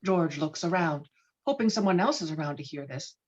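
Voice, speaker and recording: A woman's voice: low-pitched, lively intonation, fairly quick. A woman reading screenplay stage directions as dramatic scripted narration. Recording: slightly dull, lo-fi microphone.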